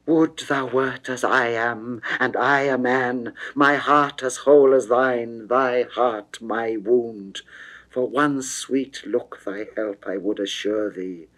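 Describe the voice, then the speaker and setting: A man voicing a lovesick goddess who pleads softly and poetically in a classical mid-century verse reading. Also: mid-range voice, poor audio. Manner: soft, beseeching, poetic verse delivery. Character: lovesick pleading goddess wooing a reluctant youth.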